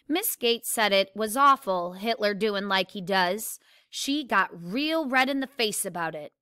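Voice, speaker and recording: A woman's voice: mid-range voice, animated, a little slow, sharp tone, smooth, no echo, clean studio sound. A woman voicing a blunt, curious young tomboy girl with earnest questions in a read-aloud novel.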